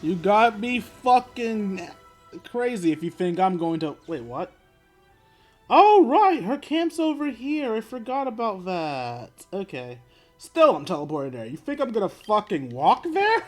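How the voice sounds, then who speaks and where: A man's voice: sits high, sing-song, slow pace, a bit bright. A man doing casual let's play commentary as a game streamer, sometimes reading dialogue choices aloud. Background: game music.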